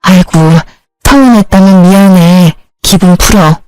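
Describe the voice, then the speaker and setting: A woman voicing a gentle, apologetic older mother who speaks slowly and soothingly. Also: mid-range voice, clear, resonant tone, no room sound, natural voice, low-quality recording. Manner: soft, slow and soothing.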